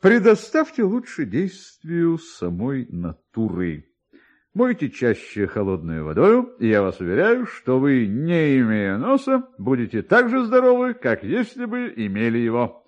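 A man's voice: medium pitch, wildly swooping pitch, measured pace, muffled recording. A man voicing a dignified, self-important doctor with a courteous, unctuous, persuasive manner, in a classic radio drama.

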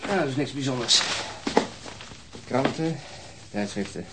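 An actor playing a practical, dryly sardonic police detective with a clipped manner, in a radio drama. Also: male voice, medium pitch, animated, a little slow, heavy background noise, close to an everyday voice. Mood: matter-of-fact. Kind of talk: Dutch radio crime drama acting.

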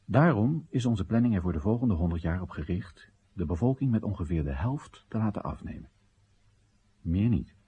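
A man's voice: fairly low pitch, animated, moderate pace, phone-quality sound, natural voice. An actor playing an exasperated, ironic Chinese citizen addressing his comrades in emphatic short phrases, in a theatrical radio play monologue. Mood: sober, ironic.

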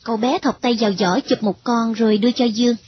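A woman narrating a story in a lyrical, even reading. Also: fairly high pitch, quick pace, slight background noise. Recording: dull lo-fi recording.

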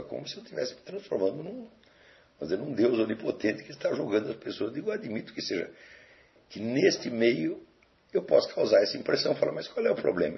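A man's voice: medium pitch, vocal fry, lo-fi sound. A man with a Brazilian Portuguese accent giving a recorded lecture, talking in a digressive, conversational way and asking rhetorical questions.

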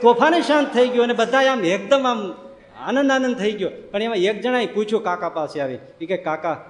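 Brisk and lively, a spiritual speaker with a high, ringing voice tells stories in his sermon, using rhetorical questions and laughing often. A long reverb follows his words as if in a large hall, and there's a little hiss or hum.

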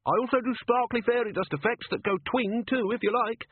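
A man voicing a small, nervous male gnome who talks high and eagerly, desperate to please, in a storybook reading. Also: fairly quick, a little hiss or hum. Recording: tinny, phone-like narrow sound.

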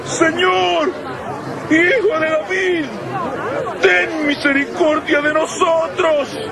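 A male actor voicing blind beggars crying out and pleading for mercy, over loud music and crowd. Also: very high-pitched, flat delivery, gravelly, heavily acted. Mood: desperate pleading. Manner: slow, pleading cries.

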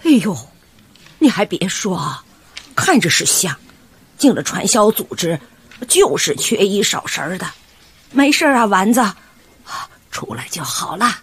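A woman's voice: mid-range voice, very animated, a little slow, long pauses, breathy edge, exaggerated voice. An actress playing a chatty, doting old grandmother with a Beijing accent in a radio drama over background music. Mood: soothing. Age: older.

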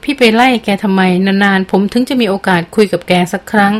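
A woman's voice: mid-range voice, fairly quick, close to an everyday voice. Woman voicing polite young male officer. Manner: polite and eager.

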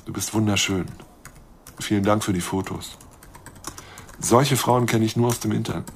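Low-voiced, lonely, lovestruck astronomer. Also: male voice, moderate pace, vocal fry, slight background noise. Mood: pensive, hopeful. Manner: brooding, confessional. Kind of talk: radio drama monologue.

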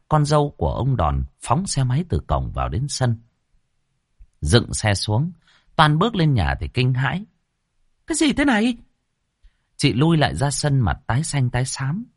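A man telling a dramatic story with vivid, expressive narration. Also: mid-range voice, husky, no echo, clean studio sound.

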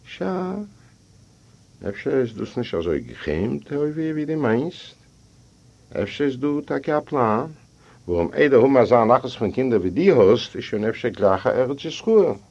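A man's voice: mid-range voice, lively intonation, brisk, few pauses, darkish tone, close to an everyday voice. A man playing a well-off contractor who mocks and lectures the story's narrator, in a lo-fi audiobook. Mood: mocking. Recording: dull lo-fi recording.

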